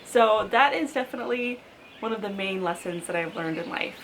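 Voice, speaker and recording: A thirty-year-old woman sits down to chat with her viewers in a relaxed, friendly vlog. Her pitch sits in a middle range, and her talk is loose and full of "like." A faint hiss runs under her voice. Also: fairly quick, poor audio. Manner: chatty, frequent "like" fillers, upbeat with light laughs. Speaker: lifestyle vlogger. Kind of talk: casual sit-down talk to camera.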